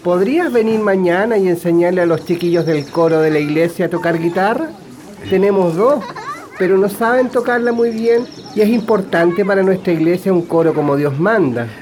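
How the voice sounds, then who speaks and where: A man's voice: high voice, normal speed, close to an everyday voice. A man playing a kindly fatherly priest. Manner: warm, encouraging, fatherly. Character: kindly middle-aged parish priest. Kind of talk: radio drama acting.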